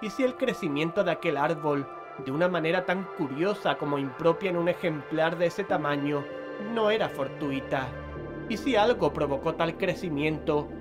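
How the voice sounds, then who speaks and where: A man's voice: a little high, natural voice. Man acting as grim, foreboding horror-drama investigator. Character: grim, foreboding male investigator haunted by visions. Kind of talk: Spanish horror audio drama, narration and dialogue.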